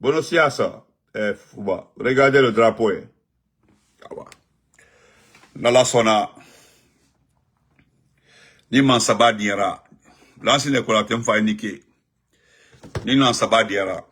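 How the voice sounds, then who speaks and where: A man, giving animated live-stream political commentary and greeting viewers, repeating himself and jumping up in pitch when he stresses a point. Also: a little slow, pauses often, husky. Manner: excited, repetitive, pitch jumps up sharply when emphatic.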